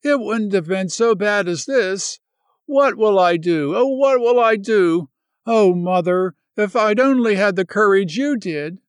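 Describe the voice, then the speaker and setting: A man's voice: sits high, lively intonation, unhurried, smooth, no room sound, clean studio sound, pitched above the performer's own voice. A man voicing a feverish, distraught young woman who pleads desperately. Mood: despairing.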